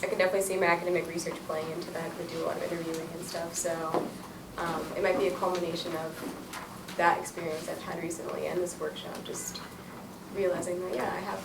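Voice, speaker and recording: A woman's voice: fairly low pitch, level tone, fast, vocal fry. A young woman, a doctoral fellow, talking in a rambling, filler-heavy way during a group discussion. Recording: distant, roomy, loud background noise.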